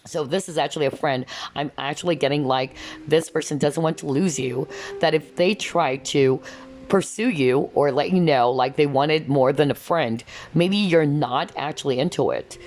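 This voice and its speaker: Low-voiced, hoarse woman reading tarot cards. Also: moderate pace, a little mellow. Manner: rambling, repeats "that's what I'm hearing". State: losing her voice, hoarse. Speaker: tarot card reader. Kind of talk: casual pick-a-card tarot reading.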